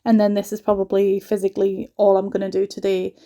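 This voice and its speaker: A woman from northeast England with a soft mixed Geordie and Scottish accent, chatting casually through a home vlog voiceover with lots of "like" asides. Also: mid-range voice, monotone, fast. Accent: soft mix of Geordie and Scottish. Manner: chatty, rambling, frequent "like" asides. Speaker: home vlogger and mother.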